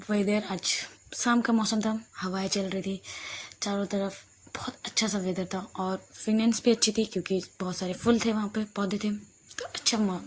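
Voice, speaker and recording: A woman's voice: medium pitch, a little hiss or hum. A woman narrating an audio love story in a loose, chatty way, often restarting and correcting herself.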